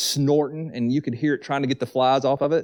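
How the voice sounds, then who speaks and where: Over a quiet background, a man talks at a very fast pace in a Southern US accent. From US South, north Georgia. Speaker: thru hiker and hiking YouTuber. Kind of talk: casual chat.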